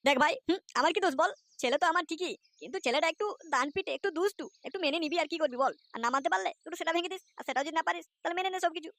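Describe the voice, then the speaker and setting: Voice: extremely high pitch, rapid-fire, few pauses, fairly bright tone. An actor voicing a carefree, boastful, boozy layabout father in a comic cartoon, with a West Bengal accent and slangy, cajoling banter. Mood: excusing.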